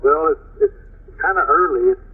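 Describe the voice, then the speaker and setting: A man's voice: fairly high pitch, moderate pace, narrow, tinny audio. A man chatting casually as an amateur radio operator, heard over a single-sideband radio. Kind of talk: casual on-air chat. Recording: band-limited radio audio, vehicle noise.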